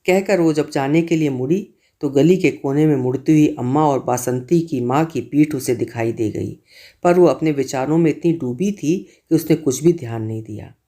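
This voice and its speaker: A man reading a literary short story aloud as narrator, in a measured, expressive way. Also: a little high.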